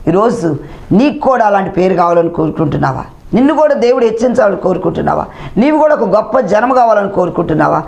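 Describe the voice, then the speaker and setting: A man preaching in a fairly high voice, giving a sermon with frequent calls of hallelujah and amen. He takes up each scripture verse after it is read and repeats it with emphasis. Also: sing-song, quick pace, creaky, darkish tone. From India. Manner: echoes the scripture reader's words back. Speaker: pastor. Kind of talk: Telugu sermon with Bible readings.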